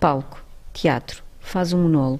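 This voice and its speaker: A woman's voice with a dark, mellow tone. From Lisbon, Portugal. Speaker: actress. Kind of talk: interview.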